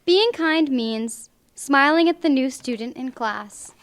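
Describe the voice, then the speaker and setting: A young woman reading a picture book aloud to children in clear, deliberate phrases at a library. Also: sits high, expressive. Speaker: volunteer storybook reader. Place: public library, indoors.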